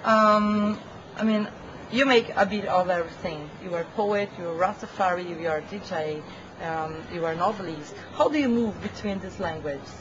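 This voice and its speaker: A woman's voice: fairly low pitch, normal speed. Polite female interviewer. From Brazil. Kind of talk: interview questions and intro. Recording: dull sound with faint noise.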